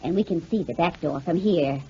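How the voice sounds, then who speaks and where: A woman playing a fussy, excitable, plucky female sidekick in a 1940s radio detective drama, with flustered, scolding exclamations. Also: on the low side, fairly quick, lightly acted. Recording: noisy, dull old 1949 radio recording.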